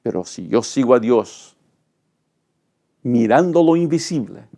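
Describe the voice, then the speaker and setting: A man's voice: mid-range voice, animated, a little slow, creaky, dark tone. A middle-aged male pastor, teaching a Bible study lesson with dramatic, emphatic delivery and rhetorical lists.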